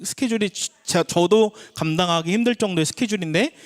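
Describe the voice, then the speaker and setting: A pastor in his thirties preaches a brisk sermon in a church sanctuary, talking conversationally with the congregation. He acts out the people he quotes, shifting his pitch for their voices.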